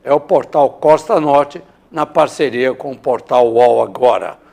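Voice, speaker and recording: A man's voice: mid-range voice, measured pace, vocal fry, a little mellow. A man with a mid-range voice hosts a live morning news interview. He is from Maranhão. His questions wander, and he fills the gaps with hesitations and restarts. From Maranhão, Brazil. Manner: hesitant, rambling questions with many fillers. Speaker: host of a morning news show.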